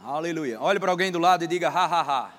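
A man's voice: fairly high pitch, fast talker, a bit bright. A man preaching to a congregation, joking and teasing a volunteer as he acts out a lesson on stage. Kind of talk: playful sermon with a stage demonstration. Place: church hall with a congregation. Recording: long hall reverb, faint background noise.

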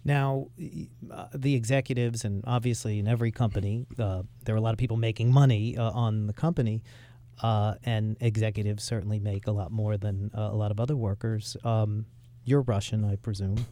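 A man hosting an interview, asking probing questions in a halting, conversational way. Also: on the low side, steady tone, dark tone, dry recording. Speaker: interviewer, host.

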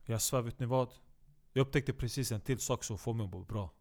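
A man delivering a rambling, profane comic monologue, jumping from loud outbursts to low mutters and often restarting his sentences. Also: a little hiss or hum. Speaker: comedic monologue host.

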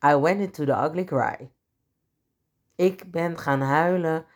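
A woman's voice: deep voice, slow pace. A middle-aged woman hosting a podcast, telling a personal story candidly and with feeling, sometimes acting out inner voices. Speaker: podcast host.

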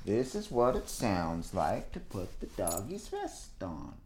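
A man's voice: fairly low pitch, wildly swooping pitch, slow, noisy background. A man talking casually as a podcast guest, good-humored, laughing at himself and often restarting his phrases. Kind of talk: casual conversation.

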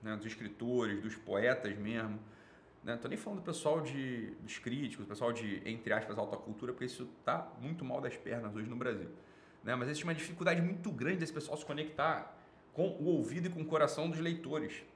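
A man's voice: mid-range voice, brisk, a little hiss or hum. A Brazilian man giving informal, off-the-cuff commentary as a program host, opinionated and emphatic, with repetition and slangy, profane wording.

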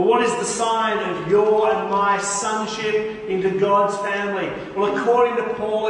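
A man's voice: high-pitched, a bit bright, recorded from a distance, a little hiss or hum. Man preaching in an echoey hall. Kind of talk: sermon. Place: large church hall.

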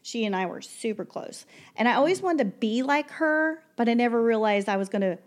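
Loud, sassy woman, quick laugh. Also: a little high, animated. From Oklahoma. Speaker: podcast guest. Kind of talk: casual chat.

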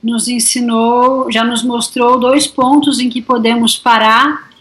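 A woman's voice: a little high, little pitch movement, takes it slowly, a bit bright, low-quality recording. A woman from Brazil with a Brazilian Portuguese accent, cheerfully telling stories of her cycling trip in a casual interview. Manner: cheerful, enthusiastic storytelling. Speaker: touring cyclist guest.

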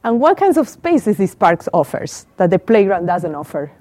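A woman's voice: mid-range voice, sing-song, moderate pace, darkish tone, no room sound. Argentine woman lecturing a small group. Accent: Argentine Spanish. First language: Spanish. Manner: asks the audience questions and repeats their answers. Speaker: professor giving a talk. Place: small room with a live audience. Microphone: handheld mic.

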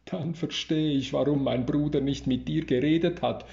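A man's voice: fairly high pitch, fairly even intonation, normal speed, vocal fry, mellow. A man reading the lines of an earnest, bewildered young friar in a storybook reading, in a roomy, slightly dull recording. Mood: questioning.

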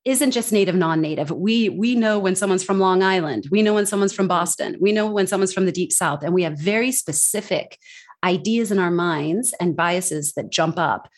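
A woman from the United States, a guest in a conversational interview, talking in a lively way and acting out what others said in a raised voice. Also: normal speed. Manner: animated, acts out quoted people in high voices. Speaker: guest speaker on accents and communication.

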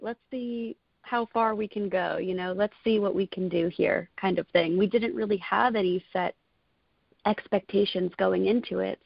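A woman's voice: mid-range voice, creaky, no room sound. A woman in her twenties, a college rowing coxswain, answering interview questions in an earnest, casual way with frequent fillers. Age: 20s. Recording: dull lo-fi audio.

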